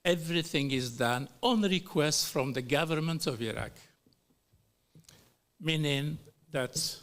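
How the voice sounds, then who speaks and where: A middle-aged man from Algeria giving a formal speech as a panel speaker at a human rights hearing, slow and deliberate, with pauses and fillers. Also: mid-range voice, a bit bright.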